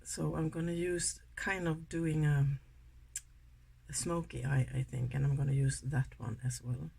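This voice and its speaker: A woman's voice: sits low, flat delivery, a little slow, creaky, breathy edge. A Swedish woman in her sixties with a Swedish accent, chatting casually and a little ramblingly while doing a makeup tutorial. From Sweden. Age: 60s. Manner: chatty, rambling, soft-spoken. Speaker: beauty vlogger.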